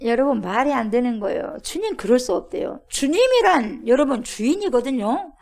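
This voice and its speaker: A woman pastor preaching a sermon, questioning the congregation and acting out quoted lines with loud exclamations. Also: sits high, expressive, normal speed.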